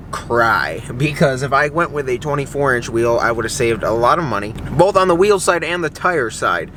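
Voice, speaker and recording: A man's voice: mid-range voice, fairly bright tone, slight background noise. A man chatting casually and off the cuff, as a vlogger giving a product review. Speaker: vlogger reviewing truck tires. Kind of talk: casual chat, off-the-cuff vlog.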